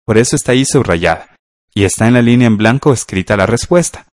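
Man, radio grammar lesson, patient step-by-step teaching, lively intonation, dry close sound. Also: medium pitch, brisk, no echo. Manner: patient, walks through exercises step by step with "ajá" and "¿verdad?".

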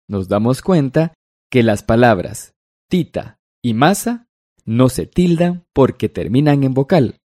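A man's voice: mid-range voice, warm tone, no room sound, clean studio sound. A man co-teaching a language lesson on a broadcast, reading examples and explaining them.

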